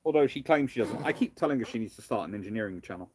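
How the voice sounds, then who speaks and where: Very fast and animated, a fairly low, slightly mellow male voice comes through with a little hiss or hum. The British history lecturer is hosting an informal live Q&A, talking in a rambling way and repeatedly restarting phrases.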